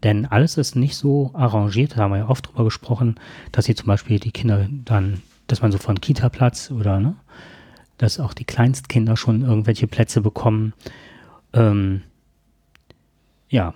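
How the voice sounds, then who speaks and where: A man explaining things from notes in a conversation, with halting phrasing and formal wording. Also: lowish voice, steady tone, warm tone, husky, no echo. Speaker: podcast co-host.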